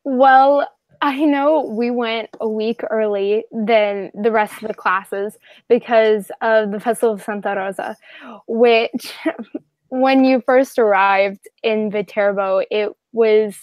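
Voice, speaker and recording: A woman's voice: on the high side, fairly even intonation, slow, a little mellow, no echo. Earnest teen girl from Atlanta. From Atlanta, Georgia. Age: teens. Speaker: program alumna. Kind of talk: casual remote video call.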